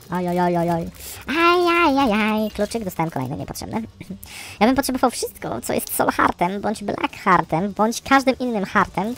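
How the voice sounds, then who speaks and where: A man giving casual, chatty gameplay commentary as a streamer, grumbling along and breaking into frustrated yells. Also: high-pitched. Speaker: gaming streamer.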